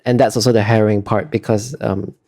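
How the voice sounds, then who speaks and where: A man with a low voice and a noticeable creak answers interview questions casually. He speaks in a hesitant, thoughtful way, feeling out his words as he explains his work as an artist. The tone is on the mellow side. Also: little pitch movement, brisk.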